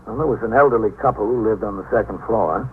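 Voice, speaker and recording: An actor playing a calm, fatherly police captain who also narrates the case, in 1950s radio drama style. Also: on the low side, natural voice. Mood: grave. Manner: steady, gentle, measured. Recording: tinny, faintly noisy 1950s radio recording.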